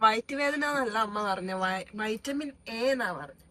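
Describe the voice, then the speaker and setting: A woman's voice: fairly high pitch, normal speed, fairly bright tone. A woman in casual family talk, explaining things in a plain, matter-of-fact way.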